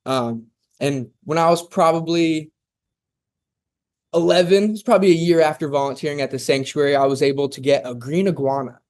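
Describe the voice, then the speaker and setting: A man from Oklahoma, a podcast guest who talks in a relaxed, rambling way and often says "um" and "and stuff". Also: a little high, fairly quick. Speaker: guest, zoo founder. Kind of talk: casual interview talk.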